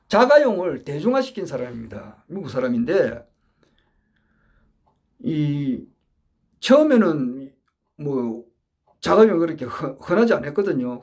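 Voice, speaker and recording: A man's voice: fairly high pitch, darkish tone. A man giving an earnest monologue lecture, emphatic and repetitive, often restarting his phrases as he builds his point. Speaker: political supporter giving a talk.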